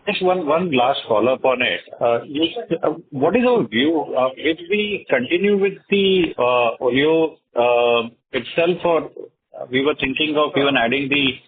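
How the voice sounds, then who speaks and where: A man asking questions as an analyst on an earnings call, in a husky voice. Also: mid-range voice, lively intonation, unhurried. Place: phone call into a conference. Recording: narrow, tinny phone line.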